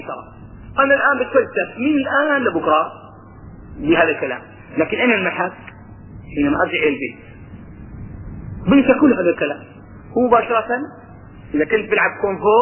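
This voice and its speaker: A man with a Levantine Arabic accent gives a religious lesson in a fairly high voice. He moves between casual dialect and recited verses and keeps asking rhetorical questions. The sound is thin and tinny, like a phone line. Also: slight background noise. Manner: lively, mixes colloquial talk with recited verses, asks rhetorical questions. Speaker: religious teacher.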